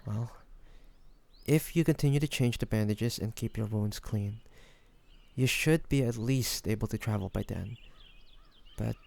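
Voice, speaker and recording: A man playing a devoted, tender young man in an intimate fantasy audio roleplay, speaking softly and hesitantly. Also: lowish voice, measured pace, vocal fry, pauses often. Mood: gentle concern. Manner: soft, hesitant, sighing speech. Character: devoted, tender young man, best friend of a dragon shifter.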